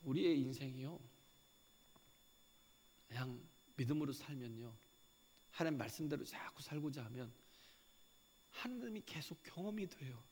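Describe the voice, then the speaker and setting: A man's voice: medium pitch, normal speed, pauses often, breathy edge, long reverb tail. A middle-aged male pastor delivering a sermon. He keeps asking the congregation questions and checking in with them. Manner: animated preaching with rhetorical questions and frequent "예?". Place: church sanctuary.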